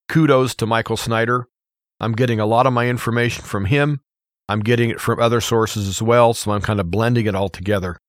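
An American man hosting a radio show, giving an opinion monologue in an emphatic, deliberate way with rhetorical questions. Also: medium pitch, a bit bright, no room sound.

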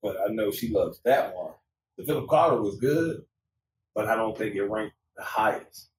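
A man's voice: lowish voice, lively intonation, moderate pace. A man who is a regular guest on a wine podcast, easygoing, repeating himself and laughing as he chats. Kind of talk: casual chat over wine. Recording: roomy, distant mic, faint noise.

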